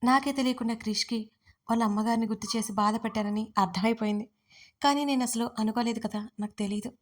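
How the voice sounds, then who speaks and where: A young woman narrating a first-person story in an expressive, emotional reading. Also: on the high side, fast talker.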